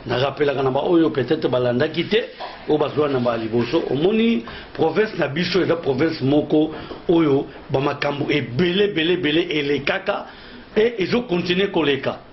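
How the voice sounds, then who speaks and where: A man's voice: on the high side, moderate pace, slight background noise. A man from Kongo Central in DR Congo, a guest who founded an association, explaining in earnest at length and repeating his phrases. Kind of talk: interview talk mixing French and Lingala. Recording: dull lo-fi sound.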